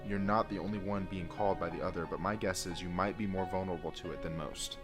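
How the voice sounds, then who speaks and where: A man's voice: low-pitched, steady tone, fast talker, loud music behind the voice, natural voice. An actor playing a weary, secretive man changed by an otherworldly force, pleading urgently and lovingly in an audio drama. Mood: earnest warning. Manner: earnest, pleading.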